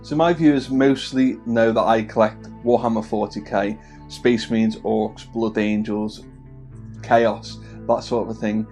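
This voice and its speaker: A man's voice: lowish voice, steady tone, a little slow, darkish tone. Man, 30s, Wirral accent with Scouse twang, casual to-camera chat, friendly, many fillers, faint music behind. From the Wirral, England. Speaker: hobby miniature painting channel host.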